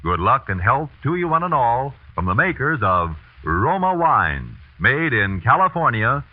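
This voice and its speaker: Man, radio commercial announcer, polished, lively delivery, phone-like old broadcast. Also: mid-range voice, a little slow, dry recording. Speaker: sponsor announcer. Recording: tinny 1940s radio broadcast.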